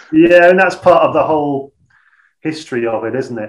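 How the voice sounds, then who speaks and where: Speaking with an English accent, a man keeps a moderate pace and ordinary pitch variation. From England. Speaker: sports commentator. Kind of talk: casual interview.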